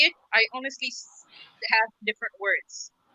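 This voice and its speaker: A Sudanese accent at a fairly slow pace. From Egypt, Nubian, raised in Cairo. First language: Nubian. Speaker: panelist. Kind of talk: casual chat.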